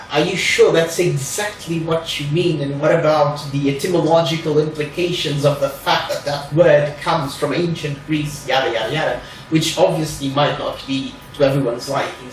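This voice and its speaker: A man's voice: fairly high pitch, a little hiss or hum. A man from Portugal with a Portuguese accent, a non-native English speaker, giving a careful, hedging introductory talk to a reading group. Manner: careful, hedging, many "sort of" fillers. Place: room at a group meeting. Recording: very echoey room, mic far off.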